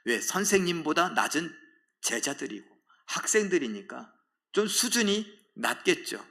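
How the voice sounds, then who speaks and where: Lively, bright-voiced preaching pastor. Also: male voice, on the high side, unhurried, gravelly. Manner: dramatic, questions the congregation. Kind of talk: sermon.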